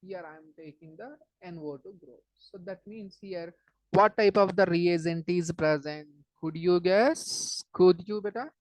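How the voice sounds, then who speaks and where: A woman's voice: fairly low pitch, measured pace, a little mellow, dry recording, poor audio. A woman with a South Asian accent teaching informally as a chemistry teacher, explaining step by step, repeating phrases and checking understanding with short questions.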